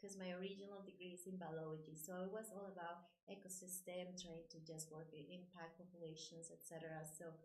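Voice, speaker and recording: A woman's voice: fairly low pitch, flat delivery, brisk, few pauses, a little mellow. Woman in an echoey room. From Peru. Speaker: guest, banker. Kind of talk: casual panel chat.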